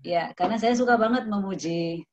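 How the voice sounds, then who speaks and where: A woman hosting an online talk, responding in a friendly way with quick replies and laughs. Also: medium pitch, a crowd in the background. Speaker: host. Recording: dull lo-fi sound with faint noise.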